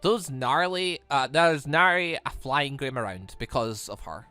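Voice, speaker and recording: A man hosting a let's play, reading visual novel dialogue aloud in an animated way and reacting excitedly as he goes. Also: mid-range voice, measured pace, faint music behind. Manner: animated, stumbles while reading and exclaims at the story.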